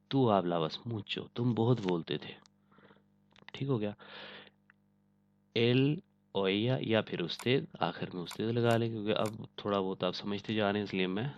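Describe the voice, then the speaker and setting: A man teaches a lesson at a measured, patient pace, often stopping to check that his students follow. His voice sits low. The recording sounds dull and lo-fi but dry, with no room sound. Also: no echo. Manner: patient, repeats "ठीक है ना" to check understanding. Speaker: language teacher. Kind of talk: online language lesson.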